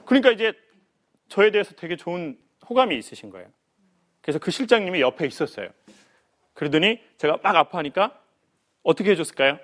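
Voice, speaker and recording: A male lecturer with a fairly high voice that swoops up and down a great deal. He tells his stories in a playful, animated way and slips into acted voices for the people in them. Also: fairly quick, long pauses. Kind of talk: humorous life lecture to an audience.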